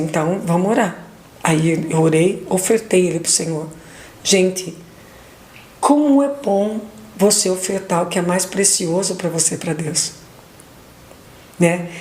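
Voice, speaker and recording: Speaking as a mother, a middle-aged woman shares an emotional testimony in which she repeats words, recounts dialogue, and lets her pitch shoot up when things get intense. Her voice is slightly mellow, and the recording has a roomy sound.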